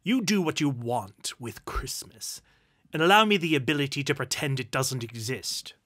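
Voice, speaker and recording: A man's voice: mid-range voice, expressive, unhurried, a bit bright. A man voicing a stern, grumpy, miserly Duke from a storybook, pompous and cutting in manner. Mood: scornful, stern.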